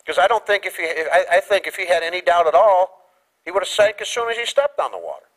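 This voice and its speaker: A male pastor preaching a sermon, going from quiet talk to raised emphasis and acting out quoted lines. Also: sits high, fast talker, poor audio. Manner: animated preaching that swings from quiet to raised and loud; acts out quoted lines in little voices. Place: church sanctuary.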